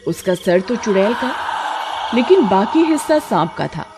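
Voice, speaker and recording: A woman narrating a cartoon horror story in a steady, dramatic scripted way. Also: medium pitch, a little slow, music in the background.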